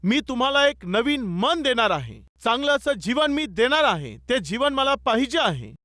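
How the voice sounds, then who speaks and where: A male pastor delivers a sermon in a very high voice. He repeats his appeals and asks the congregation rhetorical questions. The sound is dry and close. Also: very animated, normal speed, bright, forceful tone, no room sound. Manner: repetitive exhortation with rhetorical questions.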